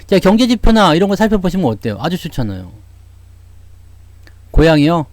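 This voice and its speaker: Lively chatty Korean man, dry close mic. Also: high-pitched, fairly quick, no echo. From Seoul, South Korea. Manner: chatty, joking, many "네" asides, chuckles. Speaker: stock market YouTube host. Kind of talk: casual livestream chat answering viewers.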